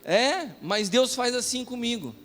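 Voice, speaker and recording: A man's voice: very high voice, a little slow. Brazilian pastor guy preaching, self-mocking stories, big reverberant church hall. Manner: storytelling, animated, self-mocking. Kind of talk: sermon.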